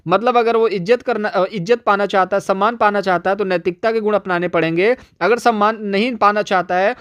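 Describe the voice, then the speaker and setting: A man's voice: high voice, smooth. Hindi-speaking man teaching exam theory. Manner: repeats and rephrases, addresses viewers directly. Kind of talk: explanatory lecture.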